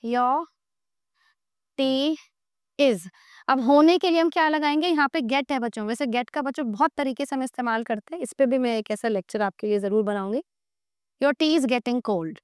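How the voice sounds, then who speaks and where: A woman teaching an English grammar lesson, asking her class questions and answering them slowly. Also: sits high, smooth, dry recording, clean studio sound.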